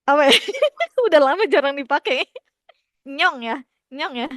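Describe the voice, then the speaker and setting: Young female teacher, casual and chatty, many fillers, slightly high voice, dry sound. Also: big pitch swings, measured pace, fairly bright tone, dry recording. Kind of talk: classroom lesson, questioning students.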